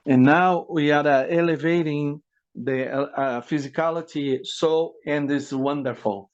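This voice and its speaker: A man with a Spanish accent interprets haltingly on a video call, pausing often to search for the next word. His voice sits fairly high for a man. The call audio sounds dull and lo-fi. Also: fairly even intonation. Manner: halting, searching for words, many fillers. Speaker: volunteer interpreter.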